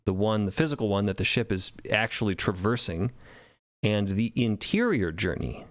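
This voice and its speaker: Low-voiced man in dry close sound. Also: lively intonation, moderate pace, no room sound. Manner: thoughtful, reflective, laughs easily. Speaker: podcast co-creator. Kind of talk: casual roundtable discussion.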